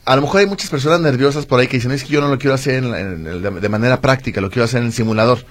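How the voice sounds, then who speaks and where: A Mexican man co-hosting a radio show in a playful, teasing way. His voice sits at an ordinary middle pitch. He reads listener messages and jokes with the other hosts. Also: rapid-fire. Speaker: radio co-host. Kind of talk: casual radio banter.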